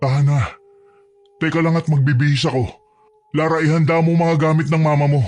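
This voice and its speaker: Using a put-on character voice, a man speaks at fairly high pitch and a moderate pace with fairly even intonation and long, frequent pauses. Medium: read story.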